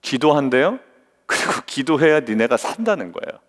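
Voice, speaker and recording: Lively Korean pastor in reverberant hall. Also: male voice, mid-range voice, normal speed. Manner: lively, questioning the congregation and acting out quoted voices. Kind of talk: early-morning devotional sermon. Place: church sanctuary. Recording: long reverb of a church hall.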